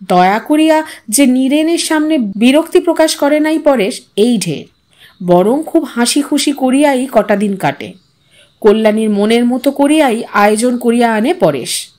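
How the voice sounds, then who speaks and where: A woman storyteller narrates literary fiction. Her voice is high and swings widely in pitch, giving the prose an expressive, dramatic shape.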